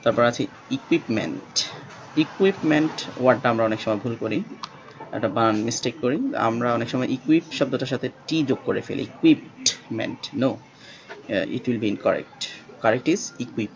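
A man whose first language is Bengali, teaching English spelling slowly and spelling words out letter by letter, with many pauses. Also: mid-range voice. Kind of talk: spelling lesson. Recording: dull lo-fi sound with faint background noise.

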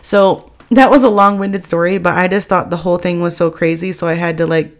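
A woman's voice: lowish voice, steady tone, brisk. An American woman talking casually in a chatty, rambling, conversational vlog voice-over. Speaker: vlogger.

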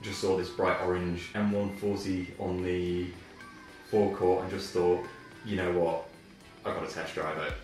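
Deep-voiced Englishman in an echoey room. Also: little pitch movement, normal speed, a little mellow. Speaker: interviewee, car owner. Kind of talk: casual chat while playing a video game. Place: living room, indoors. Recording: echoey room, distant mic, faint music.

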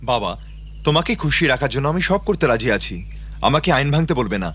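Cartoon lead: a reasoning young student son, quick and lively. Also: male voice, medium pitch. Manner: calm, reasoning, respectful. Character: polite young man, medical student son.

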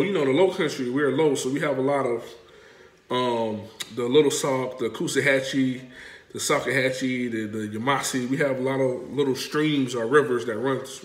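A man with a Southern Black accent from the South Carolina Lowcountry, touched by Gullah, explaining things casually and colloquially to camera. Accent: Southern Black American, South Carolina Lowcountry with Gullah influence. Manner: informal, folksy, colloquial. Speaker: vlog host. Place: bright room at home, indoors. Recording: roomy, echoing indoor sound.

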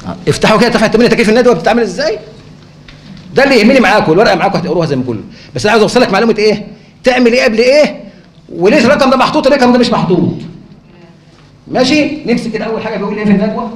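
Rapid-fire Egyptian male lecturer. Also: high voice, animated, a little hiss or hum. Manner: fires rhetorical questions and answers them himself. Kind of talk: conference lecture. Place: lecture hall. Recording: echoey hall.

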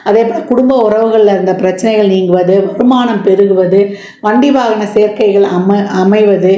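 A woman astrologer explaining a yearly forecast in a steady, explanatory way, listing one point after another with many fillers. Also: medium pitch, moderate pace, roomy sound, dull audio. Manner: explanatory, lists items with frequent fillers.

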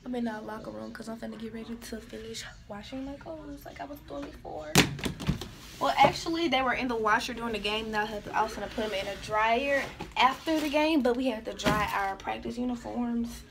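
A woman's voice: a little high, fairly quick, creaky. A young woman, chatting casually to viewers as a college vlogger while walking around campus buildings. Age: young adult. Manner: chatty, talks straight to viewers. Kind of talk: casual vlog chat. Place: indoors around campus facilities. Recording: noisy background.

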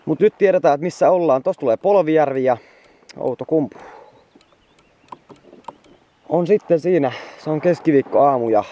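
A man's voice: fairly high pitch, warm tone, highs cut off, slight background noise. A worn-out young man vlogging from a moped trip, chatting casually to the camera and swearing often as he rambles on. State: exhausted. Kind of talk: casual travel vlog to camera.

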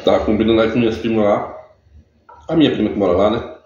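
A Brazilian man with a low voice talks while chewing food, his words loose and rambling. The room is echoey and the sound is dull and lo-fi, with faint noise behind him. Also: steady tone, quick pace, a little mellow. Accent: Brazilian Portuguese. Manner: loose, rambling, repeats himself. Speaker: mukbang vlogger. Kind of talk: casual chat while eating.

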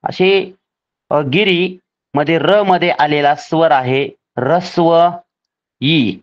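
Man, teacher, exam grammar lesson, slightly high voice, dull lo-fi recording. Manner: slow, deliberate, spelling out rules step by step.

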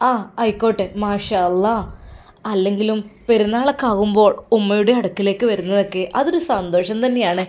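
A woman voicing a warm older Arab lady who speaks slowly and affectionately, full of blessings. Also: mid-range voice, close to an everyday voice. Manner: slow, affectionate, fond of blessings.

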